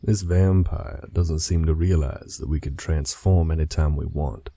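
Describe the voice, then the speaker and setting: A man's voice: extremely low pitch, fairly even intonation, unhurried, dark tone, dry recording, exaggerated voice. A man voicing a protective male werewolf who speaks firmly and gives commands to his pack. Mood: resolute. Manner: firm and commanding. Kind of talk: audio drama acting.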